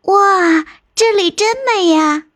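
A woman voicing an excited, curious younger sister in a storybook folk tale, with an eager, wondering manner. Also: very high voice, slow pace, pitched above the performer's own voice, full character voice. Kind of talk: storybook narration.

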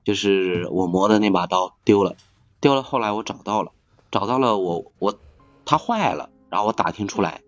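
Low-voiced man chatting, repeating himself. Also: lively intonation, normal speed, no echo. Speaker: podcast speaker, factory assembly worker. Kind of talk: casual chat. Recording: slightly dull, music behind. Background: music.

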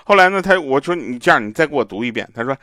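Lively-pitched male stand-up comic. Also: racing. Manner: deadpan joke delivery with lively pitch swings. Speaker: stand-up comedian. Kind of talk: stand-up comedy monologue. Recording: clicks and noise in the recording.

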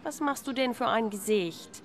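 A woman playing a German wife keen to plan a holiday, in a textbook listening-exercise dialogue, asking brisk, prompting questions. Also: a little high, close to an everyday voice. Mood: eager.

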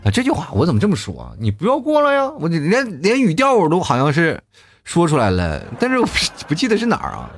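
A man in his thirties reading out viewer comments in casual chat, often shouting quoted lines in exaggerated voices. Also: fairly high pitch, wildly swooping pitch, fast talker, slightly rough, faint music behind. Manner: chatty, acts out quoted lines loudly.

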